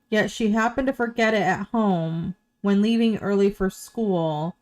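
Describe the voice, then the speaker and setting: A woman's voice: mid-range voice, a little mellow. A middle-aged woman commenting in a casual, opinionated, questioning way.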